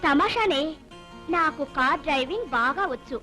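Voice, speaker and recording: A woman's voice: high voice, animated, normal speed, sharp tone. An actress playing a mischievous young woman who teases and fools her lover in a film scene. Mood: teasing. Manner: teasing, coaxing. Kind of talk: 1980s Telugu film dialogue. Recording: film soundtrack with music.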